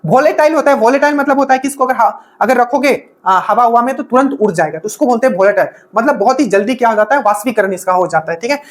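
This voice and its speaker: A woman teacher giving an exam-prep lecture with a slightly high voice. She explains each point step by step and keeps checking in with the class. She asks herself rhetorical questions and repeats what must be memorised. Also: expressive, fast talker, hardly any pauses.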